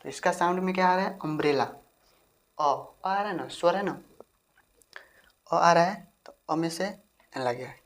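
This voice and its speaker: A woman's voice: on the low side, moderate pace, pauses often. A woman teacher gives a grammar lesson, repeating herself and asking the viewer questions. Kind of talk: classroom-style grammar lesson.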